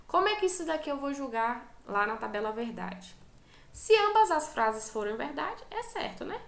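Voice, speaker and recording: A Brazilian woman teacher leads an online lecture, high-pitched with a gravelly edge to her voice. She explains patiently step by step and keeps checking that her students are following. The sound has a roomy echo around it. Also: big pitch swings, normal speed. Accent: Brazilian Portuguese.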